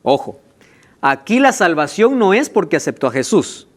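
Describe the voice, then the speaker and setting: Male pastor, emphatic sermon delivery, high and very animated pitch. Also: normal speed. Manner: emphatic preaching, stretching key words. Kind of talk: sermon with Bible reading.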